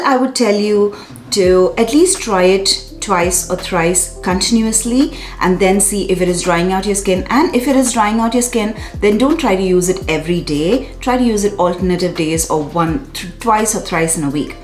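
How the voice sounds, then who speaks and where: A woman's voice: mid-range voice, normal speed, faint music behind. Woman, thirties, casual review to camera, effusive, echoey small room. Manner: chatty, effusive, self-correcting. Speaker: beauty vlogger. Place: small bright room indoors.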